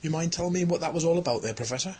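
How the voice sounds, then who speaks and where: An actor playing an earnest young English anthropologist turned Sasquatch investigator in a radio drama, speaking politely with an English accent. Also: male voice, on the high side, racing, a little mellow, slight background noise, lightly acted. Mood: earnest, hesitant. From England. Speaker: Bigfoot researcher and investigator.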